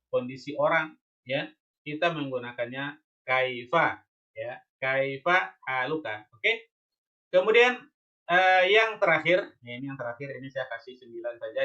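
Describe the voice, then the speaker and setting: A male teacher with a bright, slightly high voice runs an online lesson over shared slides. He is patient and goes over each point again, checking in with "ya?" and "oke?". The sound is dull and lo-fi, like a computer mic on a call. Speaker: Arabic teacher.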